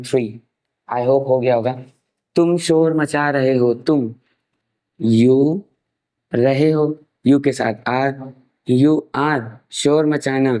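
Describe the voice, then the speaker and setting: This young man from India speaks with an Indian accent in a mid-range, slightly mellow voice, captured on poor audio. Running an online English grammar class, he explains things step by step, slips English terms into Hindi, and dictates examples one word at a time.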